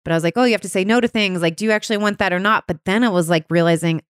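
A woman hosting a podcast interview, talking in a chatty, animated way with many filler words. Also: mid-range voice, racing, smooth, no room sound, clean studio sound. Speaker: podcast host. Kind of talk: casual conversational interview.

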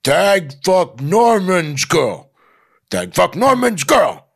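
A man playing a crude, dim caveman bully who talks in slow, broken primitive speech in a comic script reading. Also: sits high, huge pitch swings, vocal fry, a bit bright, breathy edge, pitched above the performer's own voice, exaggerated voice. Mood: crude boasting.

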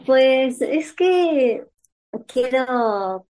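A woman's voice: high voice, expressive, extremely slow, mellow. A woman calling in to share her story, hesitant and restarting her sentences as she talks. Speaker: caller. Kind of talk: casual chat.

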